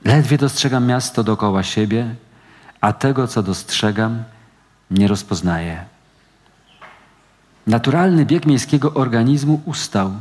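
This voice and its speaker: A male actor giving a measured, expressive dramatic reading of first-person literary prose at a book event. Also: medium pitch. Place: event hall at a book meeting. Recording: long hall reverb.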